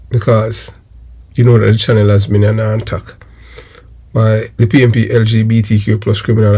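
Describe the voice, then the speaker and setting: A man's voice: on the low side, creaky, a little mellow, husky. A middle-aged man with a Jamaican accent, a former detective delivering emphatic, repetitive political commentary straight to his viewers.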